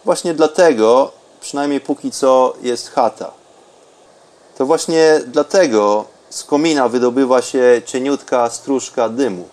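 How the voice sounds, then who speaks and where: A man speaking in a calm, unhurried, soothing way with long pauses, as a podcast host and meditation guide. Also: medium pitch.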